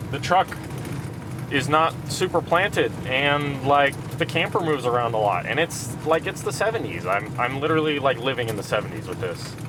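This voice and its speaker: Noticeable background noise sits behind a man speaking at a moderate pace. His voice is fairly high, with lively intonation. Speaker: vlogger. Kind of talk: vlog narration. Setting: outdoors, in a truck. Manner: loud; shaky.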